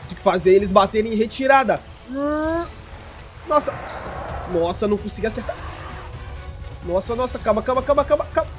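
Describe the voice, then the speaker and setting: Excitable Brazilian man narrating gameplay. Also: extremely high pitch. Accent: Brazilian Portuguese. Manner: excitable, swings into panicked shouting. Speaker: gameplay streamer. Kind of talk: in-character gameplay commentary.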